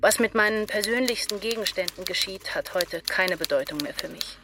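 A woman's voice: mid-range voice, normal speed, close to an everyday voice. An actress playing a desperate, isolated woman writer voicing her letters in a radio play, formal yet anxious. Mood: anxious, resigned. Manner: formal wording, inwardly anxious. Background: music.

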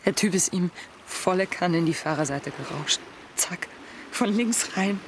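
A woman playing a grieving, wry woman in her thirties in a radio play, speaking plainly and haltingly. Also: lowish voice, close to an everyday voice. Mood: grieving, subdued. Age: 30s. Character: grieving, wry 32-year-old woman adrift at sea. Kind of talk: naturalistic radio play dialogue. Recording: clear watery background noise, boat-like ambience. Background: lapping water and sea ambience.

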